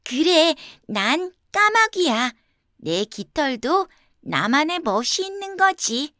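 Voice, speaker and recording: A woman voicing a self-conscious young crow in an earnest, childlike, expressive storybook style. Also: sits high, takes it slowly, no room sound, clean studio sound, voice pushed up, full character voice. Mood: resolved.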